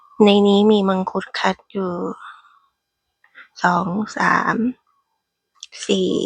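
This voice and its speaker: A woman's medium-pitched voice in a monotone, with flat intonation. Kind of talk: ASMR whispered food tasting review. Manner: whispered.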